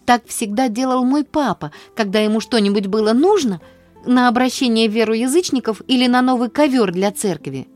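A woman's voice: fairly high pitch, brisk, a little mellow, soft background music, close to an everyday voice. A woman voicing an earnest, cheerful little girl who talks in a breathless, pleading sing-song. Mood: eager.

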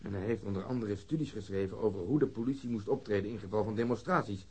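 Fast, husky, probing detective. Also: male voice, lowish voice, darkish tone. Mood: accusing. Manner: probing, insistent questioning. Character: persistent, sceptical male homicide detective, pressing and accusing. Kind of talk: radio drama acting.

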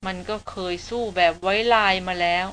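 A woman's voice: mid-range voice, fairly even intonation, moderate pace, fairly bright tone, slight background noise, close to an everyday voice. A woman reading the lines of a spirited young woman who speaks firmly and reproachfully, in an audiobook novel. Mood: explaining. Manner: firm, reproachful talk. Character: spirited young woman, sharp-tongued and caring.

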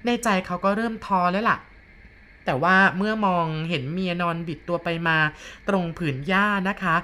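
A woman narrating a ghost story in a polite, steady way, often softening her sentences. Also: medium pitch, moderate pace.

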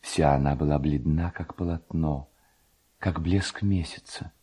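A man narrates a literary tale in a deep, dark voice. His delivery is very unhurried and lyrical, with a hushed, dramatic sense of storytelling. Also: slightly rough.

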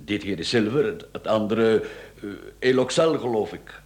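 A Flemish man acting in a radio play as a smooth-talking, cheeky rogue, glib, flippant and teasing. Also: lowish voice, animated, moderate pace, close to an everyday voice. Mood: amused, confiding. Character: smooth-talking, cheeky male rogue, a performer under questioning. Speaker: radio drama actor.

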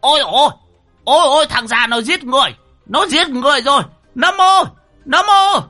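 A man's voice: moderate pace, sharp tone, soft background music. A man voicing a panicky, crude old man who yelps and curses in comic storytelling. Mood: panicked shrieking. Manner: shrill yelping cries and curses.

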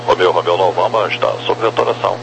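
A man's voice: deep voice, fast talker, gravelly. A man with a Brazilian accent giving air traffic control instructions over a helmet radio. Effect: aircraft helmet radio. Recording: noisy aviation radio with hum.

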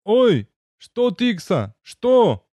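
A man voicing an excitable little male gnome who squawks in broken, mangled speech. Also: measured pace, dry recording. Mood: indignant. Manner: shrill, squawking, mangled grammar.

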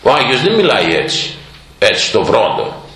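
A man preaching a sermon, telling stories with lively acted-out voices. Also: fairly low pitch, slight background noise. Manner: lively storytelling, acting out quoted voices. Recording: very echoey room.

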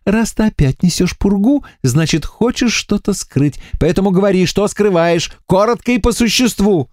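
A man's voice: high voice, animated, moderate pace, a little mellow, no room sound, clean studio sound, pitched above the performer's own voice. A man voicing a stern young woman police lieutenant who scolds and gives orders in an audiobook. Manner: bossy, scolding, commanding.

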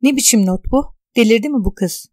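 A woman reading out the loud, exasperated outbursts of a shaken, indignant character alone at home, in an audiobook. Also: fairly high pitch, a little fast, no room sound, studio quality, close to an everyday voice.

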